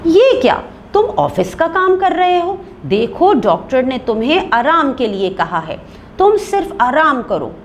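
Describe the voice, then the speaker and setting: A woman's voice: sits high, very animated, measured pace, slight background noise, pitched above the performer's own voice, full character voice. A woman voicing a fussy, bossy wife of the house, reading a play aloud for a class. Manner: bossy, scolding.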